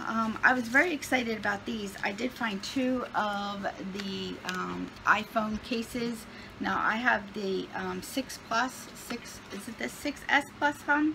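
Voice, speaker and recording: A woman speaks at a very slow pace. Noticeable background noise can be heard. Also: fairly high pitch for a woman, ordinary pitch variation. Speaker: YouTuber. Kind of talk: casual haul video. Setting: home sofa. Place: home room. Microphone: phone near.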